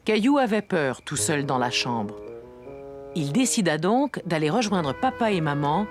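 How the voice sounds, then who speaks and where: Low, animated woman storyteller. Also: a little slow. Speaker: narrator. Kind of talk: children's storybook narration, scripted. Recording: music behind the voice.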